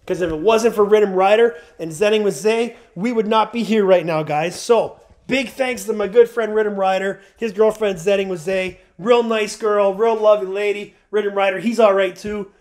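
A runny-nosed man in his forties explores an empty, abandoned house on a handheld camera, talking at normal speed in a high-pitched, steady, slightly mellow voice. His casual vlog walkthrough keeps addressing viewers as "guys."

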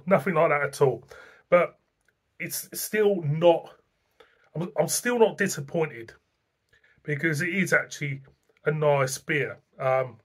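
Chatty middle-aged man, higher voice. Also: slightly rough. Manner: chatty, rambling, plain-spoken. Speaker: beer reviewer. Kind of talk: casual beer-tasting review to camera. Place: small indoor room at home.

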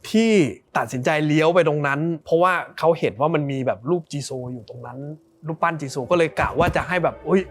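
Fast-talking man telling a ghost story. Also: fairly high pitch. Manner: animated retelling with repeated words and acted quotes. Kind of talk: casual spoken storytelling. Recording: background music behind the voice.

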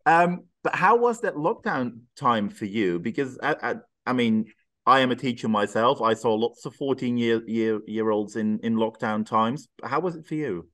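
A man's voice: mid-range voice, animated, normal speed, fairly bright tone. A man interviewing a guest over a video call, asking friendly, chatty questions from a small room.

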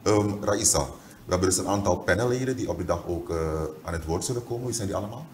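A man's voice: on the low side, very fast, a little hiss or hum. A young adult man with a Surinamese accent, interviewing guests conversationally as a television host. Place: TV studio, seated at desk.

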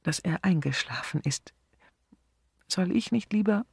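A man's voice: sits high, lively intonation, unhurried, gravelly, husky, dry recording, clean studio sound, pitched above the performer's own voice, full character voice. A man voicing a discreet, somewhat unsure woman working at a hotel front desk, speaking primly and hesitantly. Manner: prim, hesitant.

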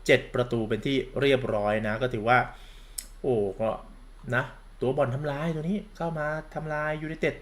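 A man's voice: medium pitch, normal speed. A campy man gives a sarcastic, crude-mouthed football commentary rant, calling himself big sister. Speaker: football vlogger.

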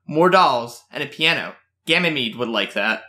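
A man's voice: mid-range voice, expressive, normal speed, pushed and bright, slight background noise. A man voicing Danny, a young companion with a crude, sarcastic way of talking, in an amateur audio drama. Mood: joking.

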